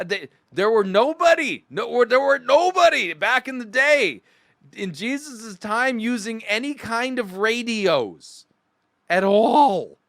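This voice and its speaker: A man's voice: sits high, fairly bright tone, no echo, clean studio sound. A middle-aged man giving mocking, sarcastic commentary as a critic, often acting out mock quotes. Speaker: host of a sermon critique show. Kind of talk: mocking commentary on played sermon clips.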